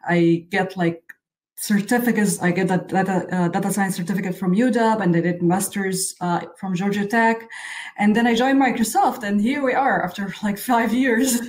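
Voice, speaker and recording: A woman in her thirties from Egypt, a software engineer answering interview questions earnestly, often saying "like". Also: mid-range voice, steady tone, normal speed. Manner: frequent "like" fillers, earnest.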